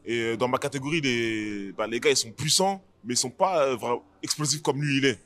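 A man's voice: medium pitch, fairly quick, fairly bright tone. A man who is an MMA fighter, answering interview questions casually and hesitantly, with many fillers and restarts. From France.

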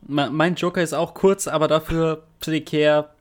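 A man's voice: fairly high pitch, fairly even intonation, normal speed. A man co-hosting a casual podcast chat, laid-back with a dry sense of humor as he tries tongue twisters. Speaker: podcast co-host.

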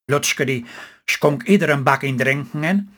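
A man's voice: mid-range voice, a little slow, sharp tone. Older man with a Stellingwerfs accent, storytelling. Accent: Stellingwerfs Low Saxon. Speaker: author reading his own story. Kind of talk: storytelling read-aloud.

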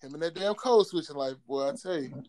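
A man's voice: a little high, fast talker, background noise. A man with an African American accent co-hosting a podcast in casual, boisterous, joking banter full of swearing. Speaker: podcast co-host.

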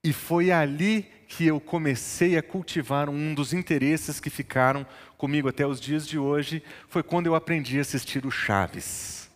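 A man's voice: fairly high pitch, moderate pace, hardly any pauses. Preaching man in a reverberant church. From northern Brazil. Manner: storytelling, rising to emphatic preaching. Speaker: pastor. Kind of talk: sermon.

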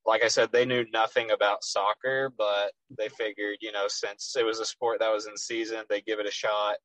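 A man in his twenties with a Texas accent, a professional soccer player, answering interview questions in a relaxed way with many ums and restarts. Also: lowish voice, normal speed, no room sound, poor audio. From Texas, USA. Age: 20s.

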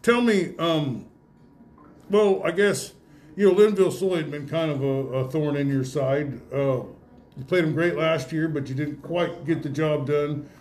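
A man hosting a casual awards interview in a folksy, rambling, halting way. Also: fairly high pitch, darkish tone. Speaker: radio host interviewing high school athletes. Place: indoor room with guests present.

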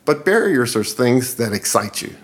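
A man's voice: medium pitch, very animated, normal speed. A man in his seventies, a guest in an interview, speaking in an earnest, reflective way and laughing easily. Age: 70s. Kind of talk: interview conversation.

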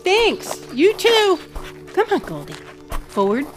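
A woman's voice: very high voice, huge pitch swings, takes it slowly, music in the background, heavily acted. A woman playing a frightened blind woman. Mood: friendly. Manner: pleading, calls out anxiously. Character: frightened blind young woman with guide dog. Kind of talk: comedic cartoon voice acting.

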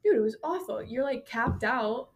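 A woman's voice: a little high, animated, normal speed, creaky. A young woman in her twenties hosting a podcast, chatting casually, swearing freely and laughing often. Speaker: podcast host. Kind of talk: casual chat.

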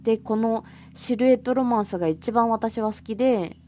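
A woman's voice: on the high side, moderate pace, mellow, soft background music. A woman hosting her own podcast, rambling casually with plenty of fillers. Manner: chatty, rambling with many fillers. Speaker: podcast host. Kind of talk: casual solo podcast talk.

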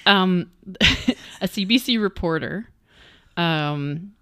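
A woman co-hosting a podcast, bubbly and giggly, reacting quickly in casual chat. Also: fairly low pitch, lively intonation, fairly bright tone, smooth, no echo, studio quality. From Canada. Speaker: podcast co-host.

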